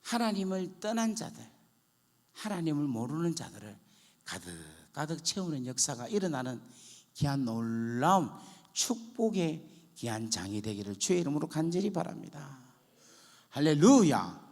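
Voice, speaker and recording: High, animated pastor in a reverberant church. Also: male voice, moderate pace. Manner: dramatic, acts out prayers and dialogue, swings from hushed to loud. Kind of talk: sermon with personal testimony. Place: church sanctuary.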